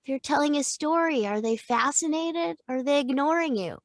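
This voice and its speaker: A middle-aged woman, a voice-over teacher, chatting in an interview in an animated way, laughing often and acting out example lines. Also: sits high, moderate pace, no echo. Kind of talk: casual interview chat.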